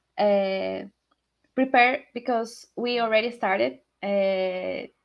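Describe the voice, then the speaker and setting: A woman with a Spanish accent, very slow in pace, fairly high in pitch, with ordinary pitch variation. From Peru. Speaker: community member, marketing professional. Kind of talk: casual panel introduction on live stream. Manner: halting, many fillers.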